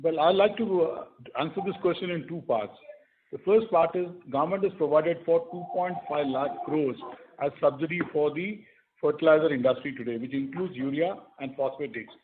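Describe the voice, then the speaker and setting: A man with an Indian accent, a company executive giving measured, structured and formal answers on an investor call. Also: fairly high pitch, background noise. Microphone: telephone conference line. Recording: narrow phone-line conference audio.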